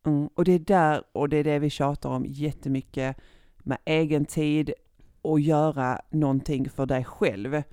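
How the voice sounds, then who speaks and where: Woman, podcast co-host, relaxed opinionated chat, dry close mic. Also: sits low, hardly any pauses, no room sound. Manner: relaxed, opinionated, giggles between points.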